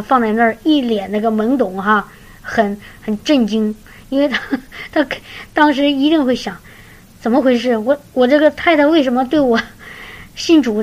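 The audio sounds dull as a woman with a voice on the high side preaches her testimony. She tells the faith story earnestly, sermon-style, repeating words frequently.

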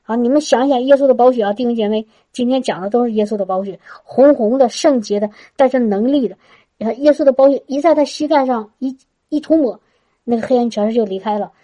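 High-voiced woman giving a church testimony. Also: fast talker, warm tone. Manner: chatty, with frequent restarts and a tag particle at phrase ends. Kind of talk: testimony storytelling to a congregation.

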